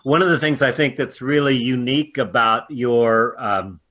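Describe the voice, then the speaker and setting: A male interviewer with a bright, forward tone. He asks open questions, affirms what the guest says and drops short murmurs of agreement. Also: mid-range voice, moderate pace.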